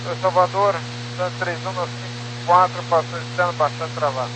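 A crackly, military-style radio transmission with clear hum and static carries a Brazilian man's voice, pitched a bit high. He is a pilot giving clipped readbacks to air traffic control. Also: fairly even intonation, a little fast. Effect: aviation radio transmission.

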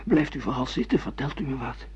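A man's voice: mid-range voice, sing-song, brisk, slightly rough. A man acting a bewildered, sardonic middle-aged amnesiac husband in a Dutch radio play, with theatrical, ironic delivery. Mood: uneasy. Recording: muffled lo-fi radio play recording.

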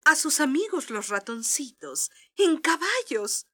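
A woman's voice: high-pitched, very animated, unhurried, a bit bright. A woman narrating a scripted children's story as a storyteller.

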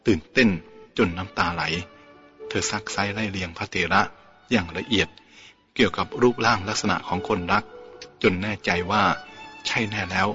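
A man narrating a novel aloud in a measured, steady storytelling manner. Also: deep voice. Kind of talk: audiobook novel reading. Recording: dull lo-fi with faint music.

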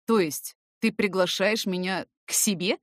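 A woman's voice: mid-range voice, a little slow, natural voice. An irritable young male student in an audiobook, acted by a woman. He is cool and guarded, answering curtly, with a dry, echo-free sound. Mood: doubtful. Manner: curt, cool. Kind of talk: scripted audiobook character voice.

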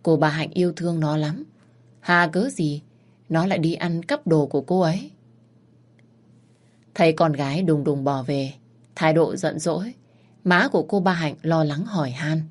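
A woman narrating a dramatic story in the first person, steady and dramatic. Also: sits low, normal speed, pauses often.

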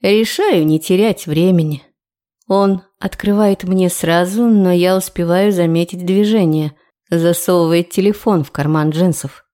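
Женщина-рассказчица, мягкий тёплый тембр, аудиокнига. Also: female voice, fairly low pitch, unhurried, dark tone. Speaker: audiobook narrator. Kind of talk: first-person audiobook narration.

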